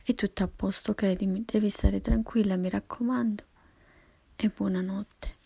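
A woman reading the lines of a calm, reassuring husband in her own whispery voice. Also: mid-range voice, moderate pace, gravelly, breathy edge, no room sound. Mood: soothing. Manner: soothing, matter-of-fact.

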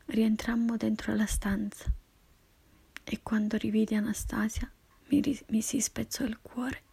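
A woman reading a first-person story in a slow, hushed, intimate whisper. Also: on the high side, little pitch movement, gravelly, breathy edge. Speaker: narrator.

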